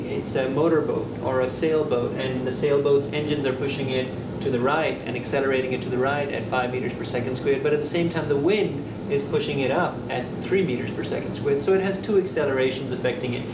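Loud background noise surrounds a man speaking at a very fast pace. His pitch varies in an ordinary way. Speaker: teacher. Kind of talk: lecture. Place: classroom.

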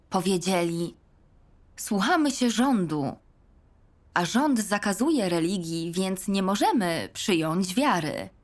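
On a very clean recording with a silent background, a woman speaks at a very slow pace with lively intonation and very even loudness. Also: medium pitch for a woman. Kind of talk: testimony.

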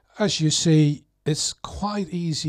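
A man with a Dutch accent in a very clean recording with a silent background. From Netherlands. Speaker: music producer and video maker. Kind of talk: tutorial. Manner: hesitant, many fillers.

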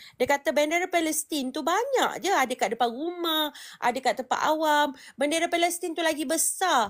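A woman speaks at a moderate pace with a high pitch, ordinary pitch variation and very even loudness, in a quiet background. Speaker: caller. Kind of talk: casual chat; casual political talk with guest. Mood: indignant, conversational. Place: home room. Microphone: phone near.

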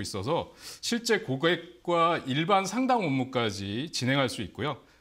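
Against a quiet background, a man talks at a fairly slow pace in a fairly high pitch. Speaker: stock market analyst. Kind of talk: market commentary. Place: studio. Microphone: lapel.

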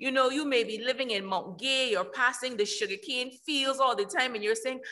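A woman's raised, projected voice, high in pitch with a bright, sharp tone, over a quiet background. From Barbados. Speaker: workshop facilitator. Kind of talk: facilitated town hall meeting. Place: hall. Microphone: podium.

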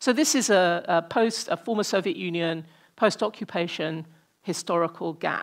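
A woman's fairly low voice with a British accent and ordinary pitch variation, set against a quiet background. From United Kingdom. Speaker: diplomat; guest. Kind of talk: public conversation with audience Q&A. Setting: stage with audience. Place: stage. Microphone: headset.

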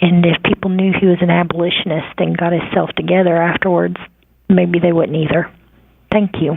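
A woman in an Appalachian accent, fairly quick, with monotone, flat intonation and very even loudness. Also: fairly low pitch for a woman. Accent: Southern Appalachian US. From US South, western North Carolina. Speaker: caller. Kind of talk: public comment. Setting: phone call.

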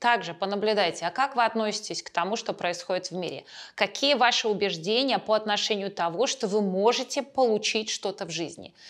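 A woman at a moderate pace, with ordinary pitch variation against a quiet background. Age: 50s. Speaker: facial exercise instructor. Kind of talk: tutorial. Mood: calm, gentle. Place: home room.

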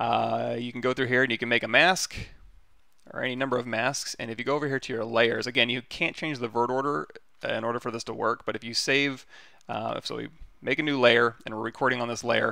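A man's bright, sharp voice with vocal fry, fairly even intonation and a fairly quick pace, dry with no echo over a quiet background. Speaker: 3D sculpting instructor streamer. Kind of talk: livestream tutorial. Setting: livestream screen-share, home. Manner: casual, rambling.

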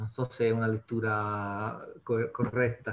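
A man talks with a somewhat breathy voice. His pitch is medium. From Italy. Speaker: film critic; moderator asking the director questions. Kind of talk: interview. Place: home room. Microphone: headset.

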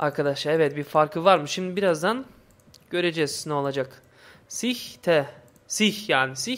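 A man with a high pitch speaks at a moderate pace with lively intonation. The recording is very clean with a silent background. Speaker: gaming video creator. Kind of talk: let's play gameplay commentary.

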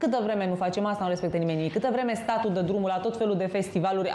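Audible room echo surrounds a woman who talks at a very fast pace with fairly even intonation. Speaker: studio commentator. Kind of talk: news talk discussion. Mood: critical, argumentative. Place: studio. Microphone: lapel.

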